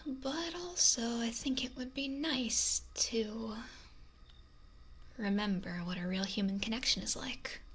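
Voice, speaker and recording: A woman playing a possessive, wealthy mafia boss in an intimate ASMR roleplay, breathy and often whispery, with a slow, softly threatening manner. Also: on the high side, slight background noise, full character voice. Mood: lonely, wry. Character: possessive, domineering wealthy female mafia boss, lonely, menacing. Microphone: close binaural ASMR microphone.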